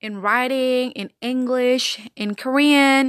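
A woman's high-pitched voice with a non-native accent, a bright, sharp tone and fairly even intonation, in a very clean recording with a silent background. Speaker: solo podcaster. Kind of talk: casual monologue.

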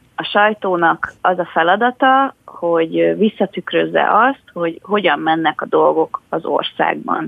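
A woman speaks at a very slow pace. She leaves hardly any pauses. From Budapest, Hungary. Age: 30s. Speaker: photojournalist. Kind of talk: radio interview.

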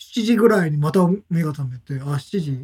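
A man talks with very wide pitch swings. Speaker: tech blogger and podcast co-host. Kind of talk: casual chat. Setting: live-streamed recording. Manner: fast.

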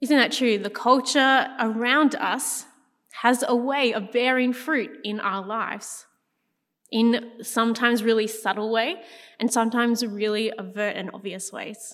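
Talking at a fairly slow pace, a woman with an Australian accent uses a fairly high pitch and fairly even intonation. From Australia, childhood partly in California. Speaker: assistant pastor. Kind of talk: sermon. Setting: church service. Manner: frequent fillers, uh and um.

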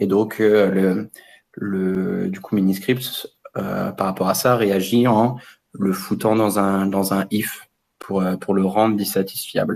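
Monotone and flat, a man with a fairly low pitch talks at a very slow pace. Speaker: Bitcoin software developer. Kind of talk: technical discussion. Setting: Twitter audio space.

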